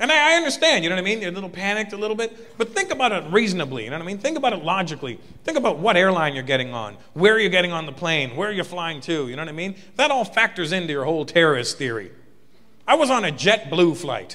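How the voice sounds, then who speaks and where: Pitch swings very widely. The pace is very fast. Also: man. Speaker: stand-up comedian. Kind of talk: stand-up comedy routine. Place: stage. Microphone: handheld.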